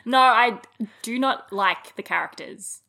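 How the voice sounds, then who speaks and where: A young woman co-hosting a podcast in casual chat, blunt and quick to laugh, with some acting training behind her. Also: on the high side, vocal fry. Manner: animated, laughing, blunt opinions. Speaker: podcast co-host.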